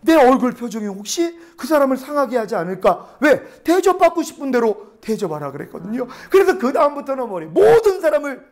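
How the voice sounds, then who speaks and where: High-voiced, lively male preacher. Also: fairly quick, few pauses. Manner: storytelling with frequent rhetorical questions; swings between loud emphasis and hushed asides. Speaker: pastor. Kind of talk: sermon.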